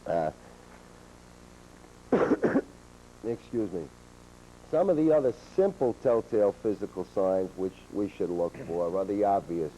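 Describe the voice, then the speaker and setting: A man calmly explaining police techniques on a training video, in a steady, matter-of-fact way, heard from an old VHS tape. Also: sits low, unhurried, long pauses. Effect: old VHS tape sound. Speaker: law enforcement instructor. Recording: dull worn VHS tape with faint hiss.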